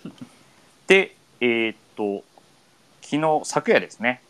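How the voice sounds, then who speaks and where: A man hosting a casual radio chat, easygoing and filling pauses with many hesitation sounds. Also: mid-range voice, sing-song, fairly bright tone, smooth. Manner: easygoing, leads with many fillers. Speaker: radio show host.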